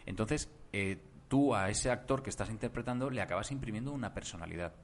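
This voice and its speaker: A man who works as a voice actor, guesting on a podcast and telling stories in an animated way with lots of asides. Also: on the low side, quick pace, a little hiss or hum. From Germany. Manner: animated storytelling, many asides. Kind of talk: casual podcast interview.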